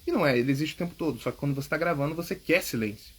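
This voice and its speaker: A man's voice: on the high side, rapid-fire, fairly bright tone, slightly rough. A man hosting a public speaking podcast, coaching casually and emphatically, often checking in with "ok?". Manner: emphatic, repeats key points, frequent "ok?" checks. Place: home recording.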